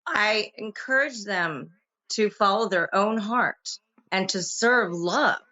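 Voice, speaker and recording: A woman's voice: mid-range voice, takes it slowly, pushed and bright, lo-fi sound. A woman on a talk show, answering criticism in a hesitant, defensive way.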